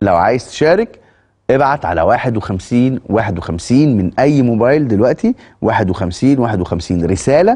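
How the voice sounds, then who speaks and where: A man with a Cairo accent speaks very slowly in a medium-pitched voice with a dark, mellow tone. His loudness stays very even while his intonation stays lively, over a quiet background. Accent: Egyptian Arabic (Cairene). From Egypt. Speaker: TV presenter. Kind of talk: TV talk show address to viewers. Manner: conversational, repetitive. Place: studio.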